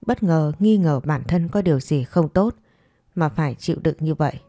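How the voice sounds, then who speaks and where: A woman voicing a composed, proud man who coolly turns down a former girlfriend, measured, in a fireside storytelling style. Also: sits low, animated, warm tone, no echo, studio quality.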